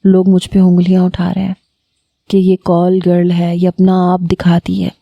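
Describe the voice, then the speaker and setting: A woman reading a first-person story aloud in a steady, emotive way. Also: lowish voice, creaky, no echo, dull audio.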